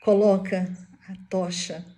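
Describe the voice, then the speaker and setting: A woman giving a spiritist devotional talk, telling a story dramatically with sudden hushed drops. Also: mid-range voice, flat delivery, slow. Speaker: spiritist speaker.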